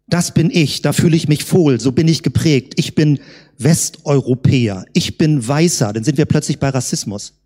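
Husky woman preaching in echoing hall. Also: sits low, dark tone. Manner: rhetorical questions, slowed emphatic words. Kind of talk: sermon. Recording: long hall reverb.

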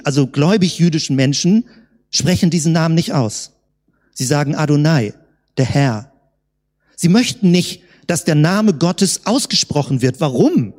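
Woman preacher, sermon delivery, slightly husky, heavy hall reverb. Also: fairly low pitch, a little mellow. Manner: rhetorical questions, slowed emphatic words.

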